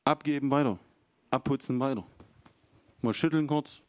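A man's voice: medium pitch, moderate pace, no echo. A man preaching an informal sermon, chatty and storytelling, acting out quotes along the way.

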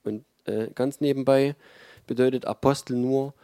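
Mellow-voiced German man preaching. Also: medium pitch, fairly even intonation, moderate pace, no room sound, studio quality. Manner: conversational preaching, emphatic, with frequent fillers. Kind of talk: sermon.

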